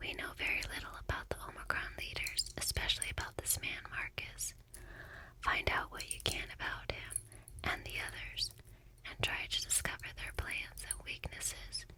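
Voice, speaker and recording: A woman whispers at a moderate pace. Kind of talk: reading an adventure gamebook aloud in second person.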